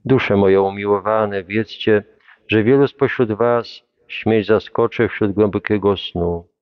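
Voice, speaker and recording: A man reading a devotional Passion text aloud in a solemn, measured, reverent way. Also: lowish voice, no room sound, highs cut off.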